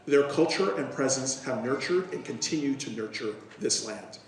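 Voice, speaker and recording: A man's voice: medium pitch, expressive, normal speed. A man, a city councillor, giving formal remarks at a ceremony, his voice strained from a recent illness and hesitant with fillers. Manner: hesitant with many fillers when speaking off the cuff. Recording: roomy hall, distant microphone, faint ambience.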